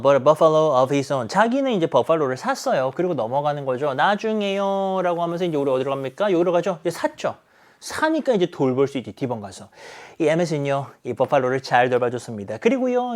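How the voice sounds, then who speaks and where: A man teaching an English exam lesson, animated, acting out characters' lines and asking rhetorical questions. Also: fairly high pitch. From South Korea. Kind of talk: exam explanation lecture.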